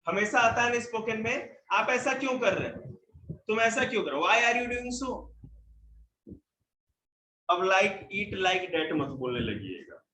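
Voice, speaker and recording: A male teacher giving a spoken English lesson to a class, slowly explaining each example sentence in Hindi and English. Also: high voice, very animated, bright, forceful tone, reverberant, a little hiss or hum, low-quality recording.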